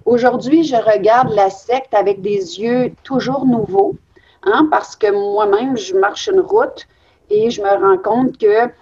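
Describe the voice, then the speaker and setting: Husky woman speaking over a video call. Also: on the high side, lively intonation, slow pace, darkish tone, muffled recording. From Belgium. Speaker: guest. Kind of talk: reflective interview answers. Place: home room on a video call. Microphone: webcam on a video call.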